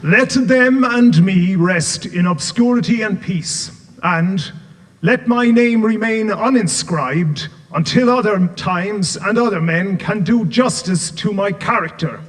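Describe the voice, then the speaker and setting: A man playing the ghost of a dignified Irish rebel on stage, speaking with measured, solemn earnestness. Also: high voice. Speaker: stage actor. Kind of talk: amateur stage play. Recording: hall reverb from a stage.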